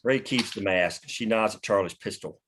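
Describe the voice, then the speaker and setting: A man's voice: on the low side, normal speed, fairly bright tone, a little hiss or hum. A man narrating stage directions from a screenplay in a scripted table-read style.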